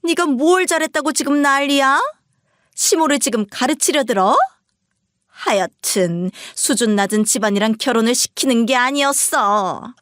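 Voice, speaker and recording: A sharp-tongued middle-aged mother-in-law scolds with a piercing, shrill tone, voiced by a woman storyteller. The voice sits high and bright, recorded dry and close with no room around it. Her lines come as harsh, cutting accusations. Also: normal speed, dry recording. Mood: shrill scolding.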